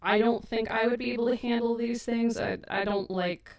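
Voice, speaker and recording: A woman's voice: fairly high pitch, fairly even intonation, normal speed, creaky. A woman hosting a casual editing livestream, chatty and self-deprecating, laughing often. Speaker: audio drama creator and host. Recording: echoey stream mic from a distance.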